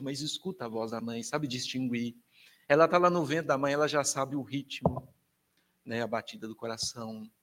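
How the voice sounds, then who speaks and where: A Brazilian man, a Catholic priest, giving an emphatic, colloquial lecture to families, his pitch and loudness swinging widely. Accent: Brazilian Portuguese.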